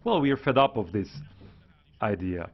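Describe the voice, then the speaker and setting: A man's voice: on the low side, sing-song. Man, English, insistent debate reply, muffled sound. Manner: defensive, insistent, slightly halting. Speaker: Hungarian government representative. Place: parliament chamber.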